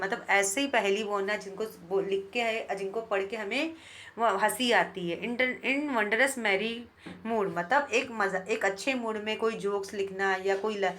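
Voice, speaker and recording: A woman teaching a school poetry lesson, her voice bright and forward. She reads each line of verse slowly and carefully, then explains it in quick Hindi, often stopping to restart a word. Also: mid-range voice. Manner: frequent restarts and repetitions. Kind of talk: explaining an English poem in Hindi.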